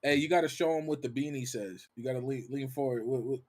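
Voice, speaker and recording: A man's voice: medium pitch, quick pace, darkish tone. A man co-hosting a podcast, joking and ribbing the others. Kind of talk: casual podcast chat. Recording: noticeable background noise.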